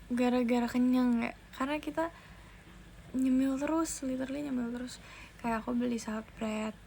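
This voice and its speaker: A young woman talks casually into her phone on a livestream. She is chatty and often restarts her sentences. Her voice sits fairly high, and faint noise runs under the recording. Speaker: idol livestreamer.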